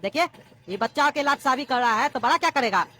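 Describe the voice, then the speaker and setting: A woman's voice: high-pitched, lively intonation, sharp tone, full character voice. Woman voicing a grumbling cartoon father. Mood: complaining. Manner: complaining, quick-tempered. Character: scheming ticketless father, grown man. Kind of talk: cartoon comedy voice acting.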